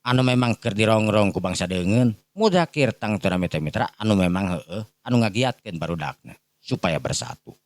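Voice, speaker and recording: Male Sundanese storyteller, low-pitched and dry-recorded, improvising a rambling folk tale for listeners. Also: expressive, fairly quick, no echo. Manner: rambling, repetitive filler phrases.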